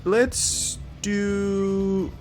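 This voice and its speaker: A man's voice: sits high, little pitch movement, drawn-out words, a little mellow, soft background music. A man hosting a let's-play video, a little sniffly from a cold, thinking aloud and reading game text with frequent ums. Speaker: gaming video host. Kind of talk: casual let's-play commentary.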